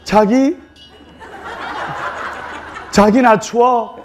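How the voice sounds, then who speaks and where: A man's voice: very high-pitched, fairly even intonation, very slow, a little hiss or hum, exaggerated voice. A man voicing a sweet young bride with a Seoul accent, in a cutesy, cooing way.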